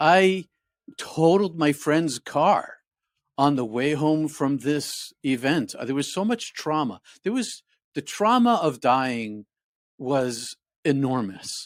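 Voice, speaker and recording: A man's fairly high voice with an American accent, very slow pace and lively intonation, in a very clean recording with a silent background. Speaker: near-death experiencer, minister. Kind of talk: interview testimony. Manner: pauses instead of filler words.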